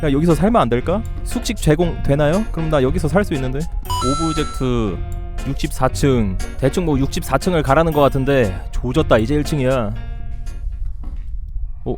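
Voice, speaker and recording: A man's voice: medium pitch, animated, moderate pace, darkish tone, faint music behind. A man streaming a horror game live, jumpy and yelping when startled, chattering to himself and his viewers and jokingly taunting the ghosts.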